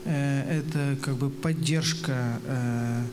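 A man in his fifties giving conversational answers as a pastor on a panel, measured, pausing between short phrases. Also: medium pitch, fairly even intonation. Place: stage in a church hall. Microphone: handheld microphone. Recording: clearly noisy room ambience.

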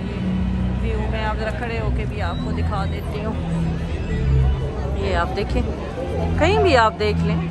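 A middle-aged woman chatting to her viewers as she walks through busy expo grounds and into a pavilion, filming on a handheld phone. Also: a little high. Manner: chatty, exclaiming, talks to viewers while walking. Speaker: vlogger. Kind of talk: casual walking vlog narration. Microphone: handheld phone camera. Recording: crowd noise and music behind.

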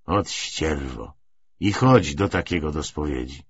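A man's voice: a bass voice, animated, unhurried, breathy edge, voice pushed down, exaggerated voice. A man voicing an indignant, brash young man in an audiobook novel, blunt and contemptuous. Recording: slightly dull, muffled recording.

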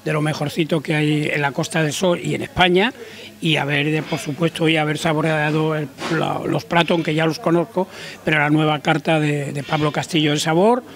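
A man's voice: on the high side, flat delivery, a little fast, a bit bright. An older man, a guest interviewed in a restaurant, speaking effusively and repeating his praise. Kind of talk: casual interview answers. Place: small restaurant dining room, indoors.

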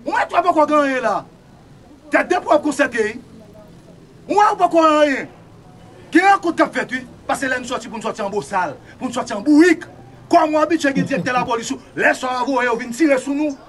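Man, Haitian accent, very high voice, fervent political talk, repetitive, occasional shouting. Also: animated, a little fast.

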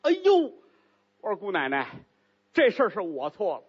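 A man's voice: high voice, very animated, fairly quick, husky, lo-fi sound, exaggerated voice. A man voicing a nervous male opera actor who stammers and pleads, in a storytelling act. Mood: flustered, pleading.

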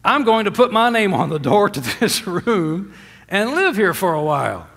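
An older man preaching a sermon from a church stage, emphatic, calling out for amens and dropping to hushed endings. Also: very animated, normal speed, vocal fry. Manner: emphatic, swinging from loud highs to low hushed endings; asks the congregation for amens. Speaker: pastor. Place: large church sanctuary with stage and drum kit. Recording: long hall reverb.

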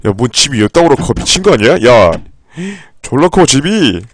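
A man live-streaming a game playthrough. He reads the in-game text aloud in a low, flat voice and breaks into sudden, profane outbursts. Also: normal speed, no room sound.

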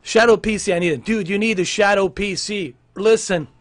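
A man's voice: sits high, moderate pace. A man in his thirties streaming a game from home into a headset mic, joking, teasing his chat and swearing as he plays. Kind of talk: casual gameplay commentary. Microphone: headset with large foam mic.

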